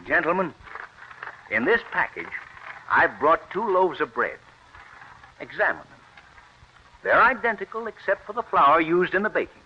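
A man's voice: fairly high pitch, sing-song, moderate pace, pauses often, slight background noise. An actor playing an earnest, persuasive wheat farmer pleading his case in an old radio drama. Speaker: plant explorer pitching new wheat. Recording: dull lo-fi old radio recording.

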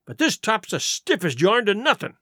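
A man performs a wily pirate sea cook from an adventure storybook. His voice rides high and swings widely in pitch, heavy with sarcasm and scorn. He argues in rustic nautical dialect, captured close and dry. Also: sing-song, normal speed, pushed and bright, no room sound, exaggerated voice. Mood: indignant, vehement. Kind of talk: audiobook character acting.

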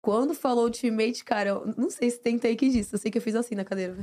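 A young woman talks quickly and expressively in a relaxed podcast chat. Her voice sits a little high, and she tells stories with lively energy and frequent laughter. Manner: expressive, laughs often, storytelling. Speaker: guest, reality show winner.

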